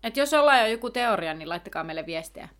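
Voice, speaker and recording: A woman co-hosting a podcast, casually retelling a book chapter in a chatty way full of fillers. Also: mid-range voice. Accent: Finnish. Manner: chatty, many fillers, lively summarizing. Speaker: podcast co-host.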